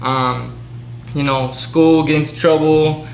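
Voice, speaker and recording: A man's voice: fairly high pitch, slow pace, vocal fry, reverberant, a little hiss or hum, low-quality recording. A man in his twenties from Southern California, a pro boxer talking casually as a guest with lots of fillers. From Southern California, USA. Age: 20s. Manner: relaxed, fillers, flat delivery. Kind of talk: casual interview.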